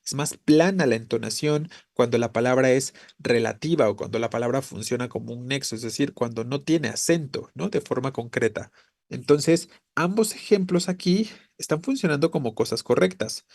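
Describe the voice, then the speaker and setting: A man's voice: medium pitch, expressive, normal speed, creaky, a little mellow, dry recording, studio quality. A man teaching a language class, explaining patiently, often checking in with "¿no?" and correcting himself as he goes. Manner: explains patiently, tags phrases with "¿no?" and "¿vale?"; self-corrects mid-sentence. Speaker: Spanish teacher. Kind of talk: online class lecture.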